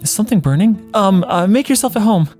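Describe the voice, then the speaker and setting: Man as motherly female game monster, raised pitch, tender, anxious, hesitant, lively intonation. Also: a little fast, soft background music. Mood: cheerful, flustered. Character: gentle motherly woman monster, doting and anxious. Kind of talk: video game character read-along.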